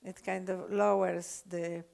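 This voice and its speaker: Slow older polish lady lecturing, lots of uhs and restarts, very gravelly. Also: lowish voice, level tone, darkish tone. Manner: hesitant, many fillers and restarts. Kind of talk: unscripted lecture talk.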